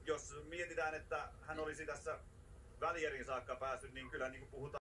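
A man calls a ski sprint live, his voice sitting a little high. It sounds captured from a distance, with clear noise under the broadcast. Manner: rising excitement at race finishes. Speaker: play-by-play commentator. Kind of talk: live sports commentary.

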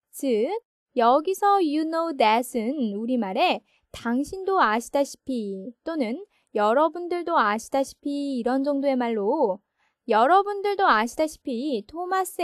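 A woman teaching English grammar in a recorded lesson, going through each sentence patiently. Her voice sits high and her delivery is slow and deliberate. The sound is dry and close, with no room echo. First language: Korean. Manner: patient, step-by-step explaining. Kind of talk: recorded lesson explaining a textbook.

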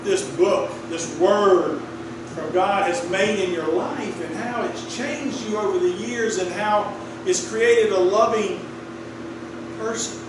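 A man's voice: sits high, takes it slowly. A middle-aged man preaching a conversational sermon, telling a story and drawing answers from the congregation in a small wood-paneled church. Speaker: pastor. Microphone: room mic from a distant camera. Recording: echoey room, distant mic, clear air-conditioner hum.

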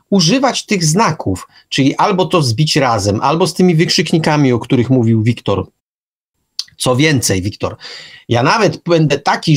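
A man co-hosting a writing workshop radio show, talking casually and thoughtfully, with many hesitations. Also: fairly high pitch. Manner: lively, musing, many fillers. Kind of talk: casual discussion on punctuation. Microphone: internet radio show microphone.

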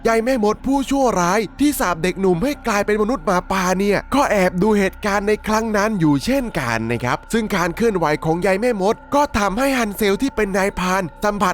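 A man narrating a dramatic horror story recap, conversationally and politely addressing his listeners as he goes. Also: high-pitched. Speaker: storyteller, channel host.

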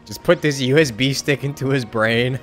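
A man's voice: mid-range voice, normal speed, fairly bright tone, soft background music. A man giving casual livestream commentary on a game, with wry, offhand remarks. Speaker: game streamer. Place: indoor stream setup, game music behind.

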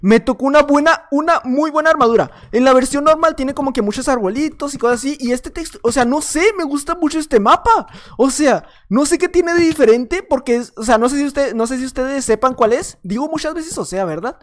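A young man giving excitable gameplay commentary at home, chatting nonstop, repeating words and breaking into shouts. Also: very high-pitched, fairly quick. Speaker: gaming YouTuber. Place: at home at night.

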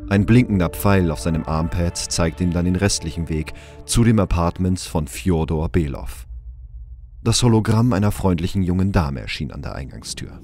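A man's voice: sits low, lively intonation, normal speed, darkish tone, soft background music. A man reading scripted narration as the sober narrator of a science fiction audio drama. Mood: matter-of-fact.

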